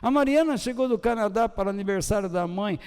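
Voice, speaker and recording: An older man with a Brazilian Portuguese accent preaching a sermon, swinging between loud high bursts and soft low trailing ends. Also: lively intonation, fast talker, smooth. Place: church hall. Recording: long church hall reverb.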